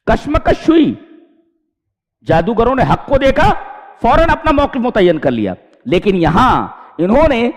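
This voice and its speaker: A male Islamic preacher giving a sermon of Quranic commentary. He recites Arabic verses and explains them, retells stories with acted speech, and swings between loud emphatic peaks and quiet low asides. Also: big-room sound.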